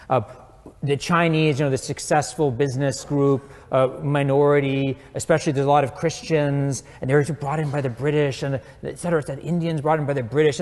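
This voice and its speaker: A man's voice: mid-range voice, a little mellow. Thoughtful man answering in a lecture hall. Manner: thoughtful, measured, with fillers and restarts. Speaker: guest speaker. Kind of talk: answering an audience question. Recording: long hall reverb.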